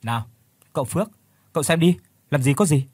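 A man's voice: a little high, lively intonation, a little fast, a little mellow, slightly rough, no room sound. A man voicing a brusque middle-aged male company director who talks bluntly and teases in a spoken horror story. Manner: blunt, offhand, mildly mocking.

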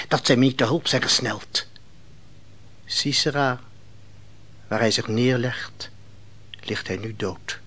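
An actor playing a solemn biblical bard who recites a war song in declamatory, poetic phrases for a radio play. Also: male voice, mid-range voice, a bit bright. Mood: cursing. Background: music.

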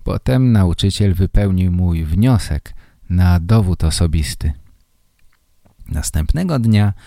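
A male storyteller with a low, dark, mellow voice reads very slowly and clearly for learners. His pitch moves expressively, and the recording is dry and close. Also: no room sound. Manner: clear, deliberate reading. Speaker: storyteller, first-person narrator. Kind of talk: slow read-aloud storytelling for learners.

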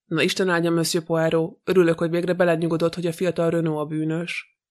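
A man's voice: on the high side, completely flat delivery, natural voice. A man reading a cocky, arrogant young detective. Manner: brash and mocking.

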